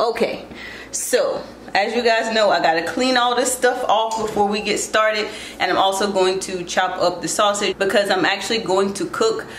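A woman talks at a moderate pace with ordinary pitch variation, audible room echo and light background noise. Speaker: home cook vlogger. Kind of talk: casual cooking tutorial. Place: kitchen. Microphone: phone near.

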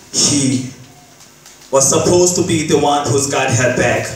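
Music plays in the background as a man speaks at a fairly slow pace amid audible room echo. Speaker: spoken-word poet. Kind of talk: performed spoken-word poem. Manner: rhythmic, emphatic, repetitive wordplay delivery. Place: stage.

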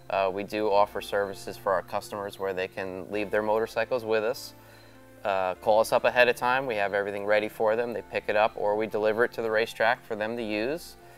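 A man's fairly low, monotone voice at a very fast pace, flat in intonation, with faint music in the background. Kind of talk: interview answer. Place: garage. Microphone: lapel.

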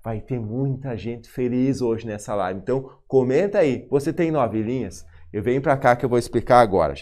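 With a southern Brazilian accent, a man talks in an animated tone at a moderate pace, hardly pausing, his pitch varying in an ordinary way against a quiet background. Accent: gaúcho Brazilian Portuguese. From Rio Grande do Sul, Brazil. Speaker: finance YouTuber. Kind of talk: live stream explainer. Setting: studio. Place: studio.

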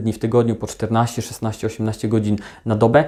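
The recording is very clean, with a silent background. In it, a man talks in a dark, mellow tone. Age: 20s. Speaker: business owner and marketing consultant. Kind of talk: solo video monologue. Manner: hesitant, many filler sounds.

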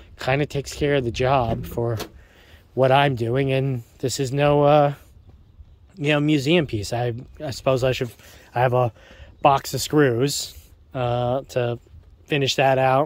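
A fairly slow pace with long, frequent pauses, fairly even intonation and a dry sound with no echo. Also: man. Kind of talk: casual vlog chat. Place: street. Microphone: phone near.

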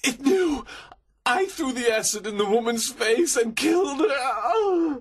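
This high-pitched put-on character voice moves at a fairly slow pace. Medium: audio drama. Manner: hysterical, frantic.

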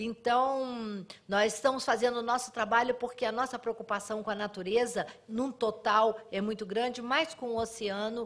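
Using an ordinary speaking voice, a woman talks at a moderate pace and fairly high pitch with fairly even intonation. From Rio de Janeiro, Brazil. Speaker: sailor and author. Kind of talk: storytelling talk to audience. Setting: stage with audience. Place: hall. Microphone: podium.

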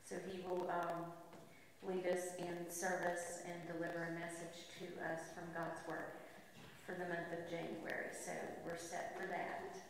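A woman speaks at a fairly slow pace with a fairly low pitch and flat, monotone intonation. Strong room echo and light background noise surround her voice. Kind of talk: church announcements. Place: church.

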